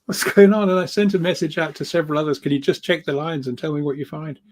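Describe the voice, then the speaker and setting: A man's voice: fairly high pitch, fairly even intonation, quick pace. A man speaking as an interview guest, explaining at length in an earnest, enthusiastic way, often repeating words and restarting.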